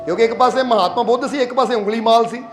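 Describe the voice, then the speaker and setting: A spiritual leader from Punjab, India, preaches a sermon to his congregation in plain, conversational storytelling, often asking whether listeners understand. His very high voice comes rapid-fire, sounding roomy over music.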